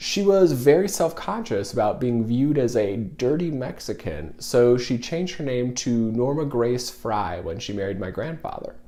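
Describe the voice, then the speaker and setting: Over audible room echo, a man with a medium-pitched, dark, mellow voice moves at a moderate pace with very wide pitch swings and hardly any pauses. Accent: General American. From Arizona. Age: 20s. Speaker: online video creator. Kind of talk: monologue to camera. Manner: casual.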